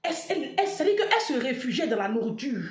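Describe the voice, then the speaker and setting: A woman with a high, sweeping voice retells a painful story to her followers, acting out the dialogue. Her tone leaps and dips with feeling. The recording has a noticeable roomy echo. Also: very animated, very fast. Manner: dramatic retelling, acts out dialogue. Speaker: vlogger.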